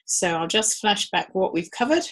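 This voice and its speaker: A woman's voice: mid-range voice, animated, moderate pace, fairly bright tone. A woman giving a live webinar talk in a conversational way, with frequent ums. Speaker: webinar presenter.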